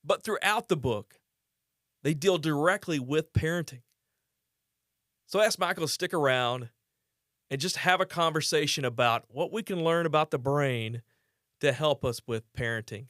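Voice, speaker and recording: A man in his forties hosts a parenting podcast with an earnest, conversational manner. His voice sits a little high for a man, and the recording is dry and close with no room sound. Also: moderate pace, long pauses, fairly bright tone, no echo. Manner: earnest, conversational, with brief laughs. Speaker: podcast host. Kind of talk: podcast interview.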